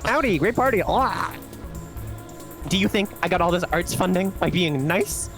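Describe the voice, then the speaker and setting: A man's voice: high voice, lively intonation, moderate pace, fairly bright tone, faint music behind, pitched above the performer's own voice. Man acting out a hammy, pompous director, swooping theatrically. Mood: aggrieved, boastful. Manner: overacted death scene theatrics, declamatory. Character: pompous, aggrieved theatrical director, villainous and showy.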